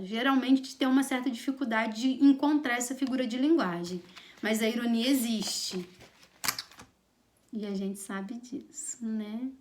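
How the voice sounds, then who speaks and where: A woman teacher with a Brazilian Portuguese accent giving a recorded online lesson, playful and chatty with teasing examples. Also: on the high side.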